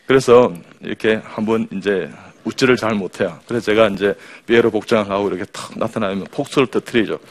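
A man's voice: on the low side, brisk, few pauses. A man who is a surgeon and professor, giving a humorous health talk to an audience, reeling off rhythmic word lists and coaxing reactions from the crowd. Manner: jokey, rhythmic word lists, quotes patients in their voices.

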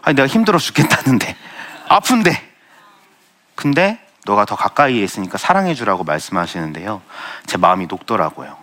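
A young man tells his story with earnest, self-deprecating warmth and answers questions from the audience. His voice sits a little low but sounds bright and forward, and it rises and falls in a lively way. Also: quick pace, few pauses. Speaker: Christian speaker sharing testimony. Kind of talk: testimony talk with audience Q and A.

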